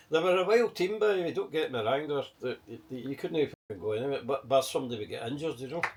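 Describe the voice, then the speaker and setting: Speaking very fast in a Glasgow accent, a man with a fairly high pitch swings his voice very widely against noticeable background noise. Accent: broad Glasgow Scottish. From Scotland, Glasgow east end. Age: 70s. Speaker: former gang member. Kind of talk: casual storytelling interview. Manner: animated.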